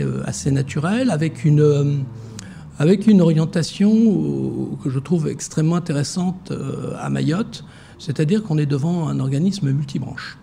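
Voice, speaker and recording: A man answers interview questions in a gravelly, dark-toned voice, pausing often on fillers and restarting his sentences. He speaks as the director of a social security fund. Faint noise sits under the recording. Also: mid-range voice. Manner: hesitant, many fillers and restarts.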